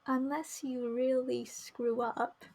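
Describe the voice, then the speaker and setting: A woman's voice: high-pitched, flat delivery, slow pace, a little mellow, full character voice. A woman voicing a laid-back, joking male skeleton in a game, casual, teasing and reassuring. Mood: easygoing, teasing.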